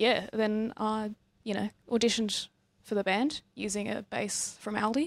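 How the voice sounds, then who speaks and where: A woman speaks with fairly even intonation in a dry, close sound with no echo. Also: fairly high pitch for a woman, fairly slow pace. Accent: Australian. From Sydney, Australia (Northern Beaches). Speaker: bass player in a band. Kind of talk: casual chat.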